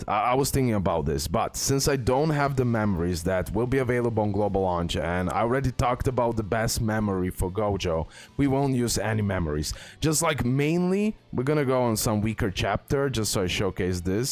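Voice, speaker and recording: A man's voice: lowish voice, expressive, moderate pace, darkish tone, soft background music. A man giving casual, emphatic game guide commentary, often repeating himself as he addresses his viewers. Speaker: gaming content creator, host.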